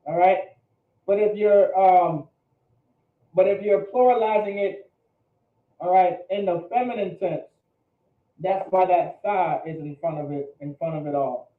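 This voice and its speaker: A man's voice: sits high, unhurried, long pauses. A man teaching a language class, often checking in with "all right?" and pressing his points. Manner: repeats "all right?" to check understanding, emphatic. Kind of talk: classroom lecture. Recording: echoey room, phone-like audio.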